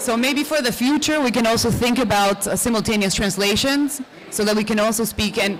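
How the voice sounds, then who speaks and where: A woman speaks with a Spanish accent against noticeable background noise. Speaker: health researcher. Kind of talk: conference presentation. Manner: halting.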